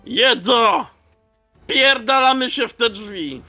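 A man's voice: very high voice, takes it slowly, pushed and bright. A man talking casually as a player in a tabletop role-playing game. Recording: music under the voice. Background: background music.

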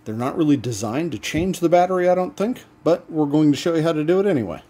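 A man hosting a do-it-yourself channel, explaining a repair step by step in a relaxed, casual way as he works at a bench. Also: fairly high pitch, fast talker. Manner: relaxed step-by-step explaining while working hands-on. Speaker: DIY channel host. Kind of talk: casual how-to demonstration.

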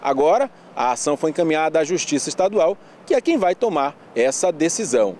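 A male reporter in his forties with a northern Brazilian accent, reading a news report in a steady, explanatory way. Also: a little high, fairly quick, a little hiss or hum. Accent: Brazilian Portuguese, northern.

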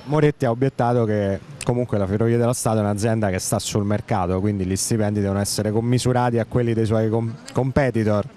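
Guy doing street reporting, mellow voice, bit of outdoor noise. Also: fairly low pitch, fairly even intonation, fast talker, hardly any pauses. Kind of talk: scripted news report and vox pop questions. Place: outdoors in a city arcade street. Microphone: handheld microphone close to mouth.

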